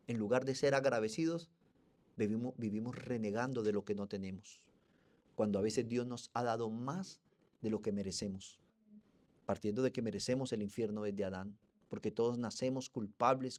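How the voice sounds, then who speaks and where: A man's voice: mid-range voice, a little mellow. A Colombian pastor with a Colombian accent preaching an expository sermon with fervor, calling out to his congregation as brothers. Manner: fervent, addresses the congregation as brothers.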